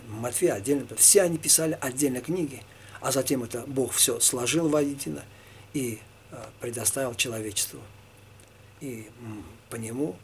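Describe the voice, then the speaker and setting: A man, a Tatar native speaker, answering religious questions one by one in a halting, informal way. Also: medium pitch, slight background noise. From Tatarstan, Russia. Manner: halting, with many fillers and restarts.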